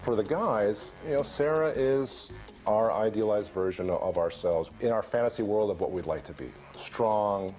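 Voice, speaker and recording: A man's voice: on the low side, moderate pace, a little mellow. A man speaking in an earnest, explanatory way in a documentary interview. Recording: music under the voice.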